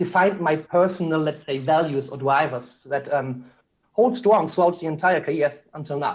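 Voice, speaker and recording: A man with a German accent talks at a fairly high pitch. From Germany. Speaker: alumni speaker, business executive. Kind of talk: ceremony speech. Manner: hesitant, many fillers.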